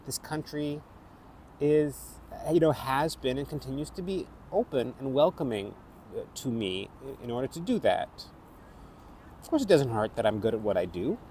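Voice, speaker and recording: A middle-aged man with a North American accent, an actor reflecting on his life in a thoughtful, halting way with frequent restarts. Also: mid-range voice, darkish tone, slight background noise. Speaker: actor and theatre maker. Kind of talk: reflective personal vlog.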